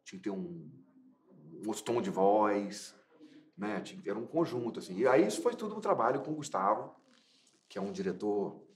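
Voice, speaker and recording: A low-voiced man from Minas Gerais talks about his acting work, circling back with fillers and restarts as he searches for words. The room around him rings with echo. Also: animated, a little fast, a little hiss or hum. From Minas Gerais, Brazil. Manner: hesitant, many repeated fillers and restarts. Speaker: actor interviewed about his film. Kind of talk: casual interview answers.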